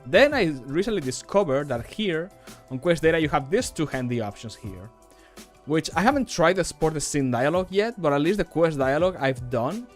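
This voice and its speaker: A man's voice: fairly high pitch, very animated, brisk, faint music behind. A man in his thirties chatting casually on a livestream in a rambling, self-deprecating way. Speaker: streamer and game modder. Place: small home room, indoors.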